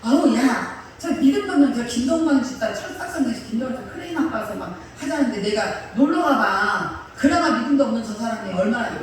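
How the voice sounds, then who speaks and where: Animated woman pastor in an echoing church. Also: fairly high pitch, fairly quick, few pauses. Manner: animated storyteller, often laughing and acting out quotes. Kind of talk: sermon with personal stories. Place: church sanctuary. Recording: echoey church hall, mic far off.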